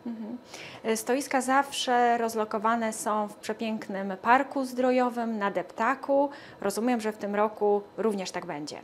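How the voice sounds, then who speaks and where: A woman's voice: a little high, a little slow. A woman asks questions as a television interviewer in a studio. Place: TV studio, seated at a glass desk.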